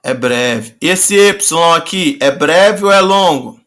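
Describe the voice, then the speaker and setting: Male teacher, fairly high and bright voice, patient and repetitive in his explaining. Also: animated. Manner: patient, repeats and slowly draws out words. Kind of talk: online class lecture.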